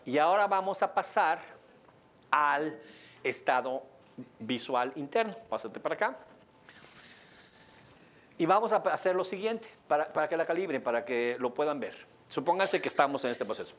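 A man with a Mexican Spanish accent leading a live workshop demonstration for an audience, explaining in a lively, joking way and laughing often. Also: on the high side, moderate pace, long pauses. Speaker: workshop instructor. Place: training room with an audience.

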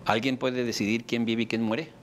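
A man with a Mexican accent, a therapist giving a talk to a live audience, animated and theatrical, acting out examples with sudden leaps in pitch. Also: moderate pace, slight background noise.

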